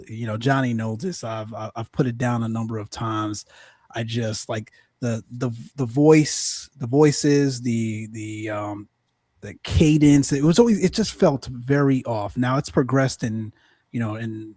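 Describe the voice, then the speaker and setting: A man's voice: medium pitch, a little mellow, dry recording. Male podcast host, mid-range voice, loose rambling questions, dry recording. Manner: rambling, many restarts, asks questions. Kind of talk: casual podcast chat.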